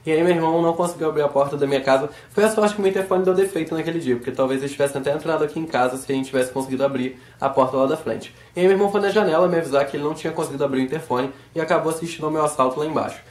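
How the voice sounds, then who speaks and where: A man with a Rio de Janeiro accent talks in a chatty, emphatic vlog style at a very rapid pace. His voice sits somewhat high and is a little hoarse from a sore throat. The room around him is noticeably echoey. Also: darkish tone. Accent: Rio de Janeiro Brazilian. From Brazil. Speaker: vlogger. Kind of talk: casual monologue to camera.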